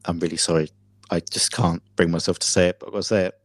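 Guy spinning a dramatic yarn on a podcast, lowish voice, dead dry sound. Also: fairly even intonation, fast, no echo. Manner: theatrical storytelling, hesitant with fillers. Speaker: podcast co-host. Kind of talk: casual chat.

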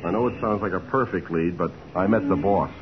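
An actor playing a breezy, wisecracking sidekick with a flippant, casual way, in a 1940s radio drama. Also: male voice, deep voice, fairly quick, close to an everyday voice. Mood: breezy, wry. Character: breezy, wisecracking male reporter-type sidekick. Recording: dull, noisy 1940s radio recording.

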